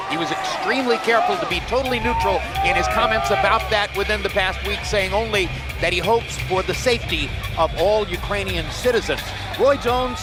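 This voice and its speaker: A man calling a boxing broadcast as play-by-play commentator, in a measured, formal announcer delivery. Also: sits high.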